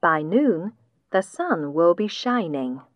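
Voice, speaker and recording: A woman reading a weather report slowly and clearly for a listening test, with a dull lo-fi sound like AM radio. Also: on the low side, sing-song, dry recording. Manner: slow, deliberate, clearly enunciated reading. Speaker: test passage reader.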